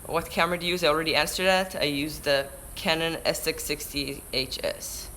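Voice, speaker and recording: A man's voice: on the high side, brisk, pushed and bright, slight background noise, poor audio. A teenage boy with a Hebrew accent, chatting on a live stream and reading out viewer questions, often restarting words mid-sentence. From Israel. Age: teens. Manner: chatty, restarts mid-word, answers questions read aloud. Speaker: surfer vlogger. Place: indoors by a window. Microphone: camera-mounted shotgun mic.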